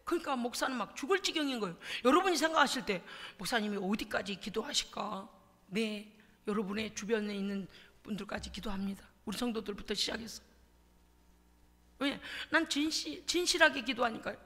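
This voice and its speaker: A middle-aged woman pastor preaching a dramatic sermon in a church, acting out her own prayers with sobs and shouts. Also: on the high side, brisk. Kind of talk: animated sermon. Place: church sanctuary. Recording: long hall reverb.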